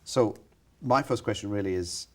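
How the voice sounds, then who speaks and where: A man's voice: lowish voice, moderate pace, a bit bright. A man interviewing a comedian, asking blunt, sarcastic questions. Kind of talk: mock interview.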